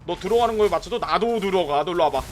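Young male game streamer with a high, lively, swooping delivery. Excitable, breaks into shouts at teammates, and chats with viewers between plays. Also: racing. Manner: excitable, yelling bursts at teammates, chatting to viewers. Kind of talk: live gameplay commentary.

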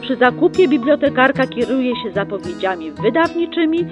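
A woman narrates a mock 1960s chronicle in the crisp, chirpy, expressive style of an old newsreel announcer, her voice sitting high. She keeps a brisk, upbeat delivery throughout while plucked guitar music plays clearly behind her.

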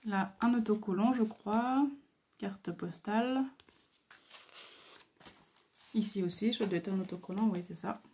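A woman hosting a casual craft video, talking hesitantly with many fillers and pauses as she admires what she shows. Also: medium pitch, a little hiss or hum. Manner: admiring, soft-spoken. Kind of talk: casual show-and-tell.

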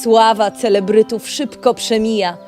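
A woman's voice: on the high side, steady tone, a little slow, a little mellow, soft background music, close to an everyday voice. A woman voicing an earnest, dreamy female tortoise in a children's audio play. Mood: content.

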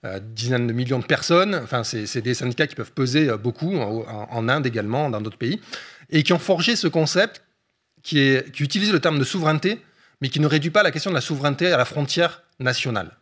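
A man's voice: mid-range voice, expressive, fast, a bit bright. A man, an economist guest on a discussion show, explaining at length with frequent hesitation fillers.

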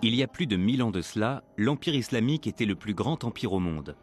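A man narrating a documentary as its presenter, in a measured, earnest storytelling manner. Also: fairly low pitch, expressive. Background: background music.

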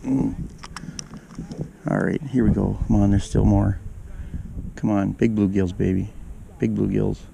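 A man gives casual play-by-play of his ice fishing on a frozen lake, calling his viewers "you guys." His lowish, dark voice has vocal fry and little pitch movement, and he speaks slowly with many pauses, recorded roughly on a body-worn action camera with wind noise.

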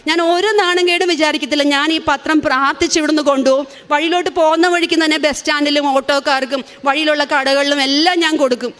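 A woman's voice: high-pitched, steady tone, quick pace, a bit bright. A woman in her forties with a Malayali accent, giving an earnest, emotional religious testimony. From India. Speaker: testimony speaker.

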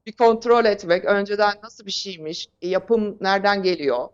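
A woman answering as an expert guest in an interview, explaining in a halting way with frequent pauses. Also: medium pitch, smooth, highs cut off. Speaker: expert guest, psychological counselor and psychotherapist.

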